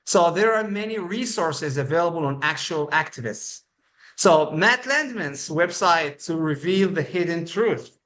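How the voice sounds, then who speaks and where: A man from Egypt hosting a show, reading a prepared introduction in a measured, slightly halting way. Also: fairly high pitch, animated, fairly bright tone. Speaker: show host. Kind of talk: prepared introduction, formal presenting.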